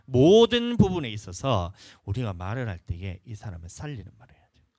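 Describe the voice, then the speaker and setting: A male pastor in his thirties preaching a lively sermon, animated and playfully acting out what people say. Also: mid-range voice, a little fast, no room sound, clean studio sound. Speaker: senior pastor. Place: church sanctuary.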